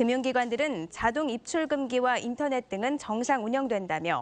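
A woman with a high voice speaks at a moderate pace, her pitch varying in an ordinary way against a quiet background. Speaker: news anchor. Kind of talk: news reading. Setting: studio. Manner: formal.

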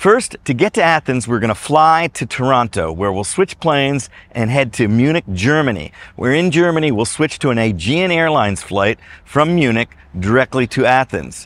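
A man speaks at a moderate pace with very wide swings in pitch. The sound is dry, with no echo. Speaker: motorcycle travel vlogger. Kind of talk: casual vlog chat. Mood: upbeat, storytelling. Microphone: lapel.

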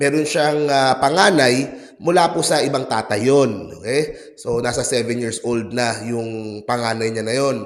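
A man speaks at a moderate pace in a room with audible echo and noticeable background noise. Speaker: showbiz gossip vlogger. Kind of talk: casual commentary monologue.

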